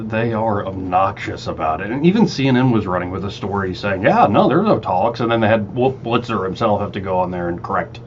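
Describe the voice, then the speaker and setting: A man hosting a casual talk radio show, chatty and quick to laugh, often restarting his sentences. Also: low voice, highs cut off, a little hiss or hum.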